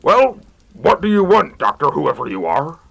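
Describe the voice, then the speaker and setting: A man playing a blustery city mayor with a brisk official manner in a comedic radio drama. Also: a little high, big pitch swings, vocal fry, fairly bright tone, exaggerated voice. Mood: dismissive. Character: blustery, easily cowed male city mayor. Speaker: voice actor. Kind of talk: comedic old-time radio drama acting.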